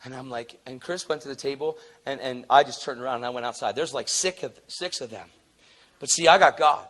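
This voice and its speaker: A man preaches a sermon at a brisk pace by telling a story, animatedly acting out the people he quotes with sudden loud, high jumps in pitch and volume. For tender moments, he drops to a soft, earnest, low tone.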